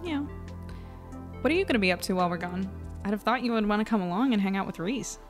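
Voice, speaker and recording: A woman's voice: medium pitch, animated, fast, faint music behind, close to an everyday voice. A woman playing a curious, self-doubting young journalist in an audio drama, earnest and conversational. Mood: friendly. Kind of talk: audio drama acting and diary narration.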